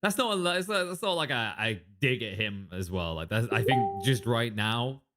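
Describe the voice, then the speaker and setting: A man's voice: medium pitch, lively intonation, noisy background. A man casting a live esports match, chatting loosely with a co-caster and trailing off into asides. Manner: chatty, quick asides, filler-heavy. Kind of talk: live game commentary.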